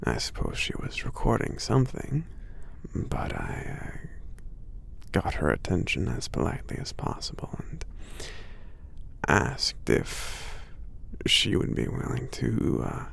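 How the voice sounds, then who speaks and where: A man playing a gentle, friendly giant in a soft-spoken ASMR roleplay, shy, polite and hesitant, with a breathy, husky murmur. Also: lowish voice, huge pitch swings, exaggerated voice. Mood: gentle, reminiscing. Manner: hesitant, murmuring, halting with many soft pauses.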